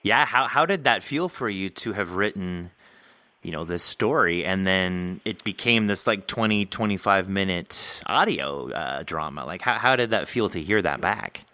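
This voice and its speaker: A man hosting a podcast interview, chatting casually in an animated, rambling way. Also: deep voice, moderate pace, no room sound.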